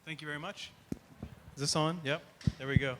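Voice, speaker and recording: A man's voice: fairly high pitch, steady tone, noisy background. A man moderating a panel on stage, joking in a self-deprecating way and speaking into a handheld mic. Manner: self-deprecating, quick jokes. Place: large tent stage before an audience. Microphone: handheld mic, far camera.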